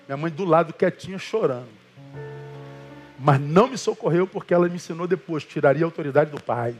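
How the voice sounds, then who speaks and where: A man's voice: a little high, fairly quick, faint music behind. A man preaching as a pastor, telling stories in a colloquial way and acting out the voices of the people in them. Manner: animated storytelling with quoted voices; colloquial, addresses listeners as brother. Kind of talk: sermon.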